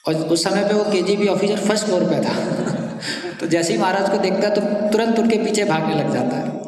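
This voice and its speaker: High-voiced preacher man in an echoey hall. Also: moderate pace, far from the mic. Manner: lively storyteller, acts out dialogue. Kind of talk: devotional storytelling talk.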